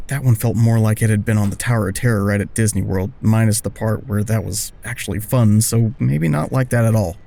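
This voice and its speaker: A man tells a scripted first-person story with a low, gravelly and soft-edged voice. His delivery is wry and confessional, like someone owning up to his own misadventure. Faint music sits behind him. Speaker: first-person narrator of an audio drama.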